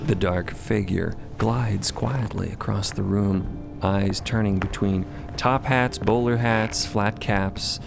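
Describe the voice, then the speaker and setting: Male narrator, low pitch, gravelly fry, wry storytelling, music underneath. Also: fairly even intonation, takes it slowly. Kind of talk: semi-improvised audio fiction narration.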